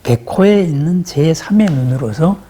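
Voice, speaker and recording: Man, Buddhist teacher, sermon-style meditation instruction, warm and husky voice, conversational, rhetorical questions. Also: on the high side, animated, normal speed. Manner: explanatory, often checks in with the listeners with short questions.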